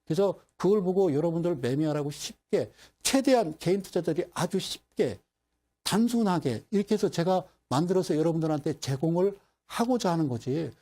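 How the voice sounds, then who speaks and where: A middle-aged man giving a broadcast stock lecture, telling stories in an animated, repetitive way and addressing viewers directly. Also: fairly high pitch, brisk.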